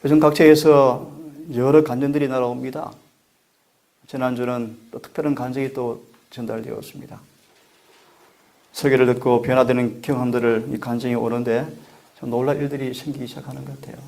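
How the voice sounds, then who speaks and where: A middle-aged man delivers a sermon as a pastor, speaking in an earnest, measured way. His voice sits at an ordinary pitch with a gravelly edge. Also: level tone, a little mellow. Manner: earnest, measured preaching with prayer requests.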